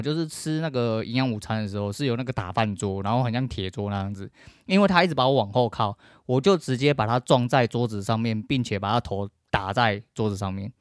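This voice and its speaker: Man, middle-aged, Taiwanese Mandarin accent, podcast host, rapid delivery, blunt and profane, dry sound. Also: mid-range voice, no room sound. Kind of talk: casual podcast rant.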